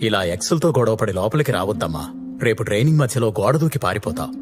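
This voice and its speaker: An actor playing a calm, measured priest gently advising a young woman in a film scene, with guitar music behind. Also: fairly low pitch.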